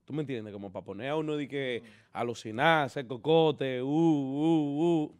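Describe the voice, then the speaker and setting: A man giving loud, joking opinions as a panelist on a casual entertainment show. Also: mid-range voice, normal speed, smooth.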